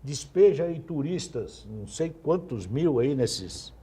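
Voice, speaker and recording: Man on a tv panel, kinda high but mellow husky voice, thoughtful and measured. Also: sing-song. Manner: measured, reflective, interjects politely. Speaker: talk show panelist. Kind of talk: TV talk show discussion.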